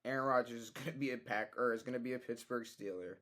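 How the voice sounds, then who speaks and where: A man's voice: mid-range voice, quick pace. Man co-hosting a casual sports podcast. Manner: hesitant, restarts and repeats, gets excited. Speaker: podcast co-host.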